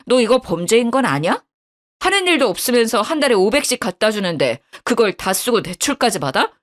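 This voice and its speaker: A woman voicing a betrayed young husband who scolds his wife harshly in a lowered voice. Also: big pitch swings, fairly quick. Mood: angry. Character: angry betrayed young husband, cold and blunt.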